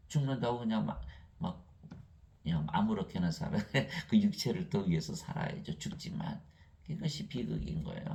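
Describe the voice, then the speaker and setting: A man preaching a sermon, asking and answering his own questions and acting out Bible figures in lively voices. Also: lowish voice, vocal fry. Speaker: pastor.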